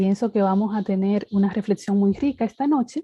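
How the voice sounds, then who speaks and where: A woman talks at a moderate pace with a somewhat breathy voice. Her pitch varies in an ordinary way. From Dominican Republic. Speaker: theology lecturer. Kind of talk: online course lecture.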